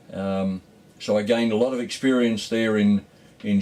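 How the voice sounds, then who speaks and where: Speaking with an Australian accent, a man keeps a moderate pace at a medium pitch. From Australia (born in Scotland, moved as toddler). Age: 60s. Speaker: navy veteran. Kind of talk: interview. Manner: halting, with many fillers.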